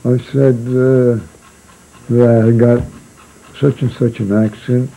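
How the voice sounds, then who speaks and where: An older man recalling his seafaring days in a casual spoken memoir. He talks in a halting, rambling way, full of restarts and fillers. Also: medium pitch, level tone, gravelly, dark tone, low-quality recording.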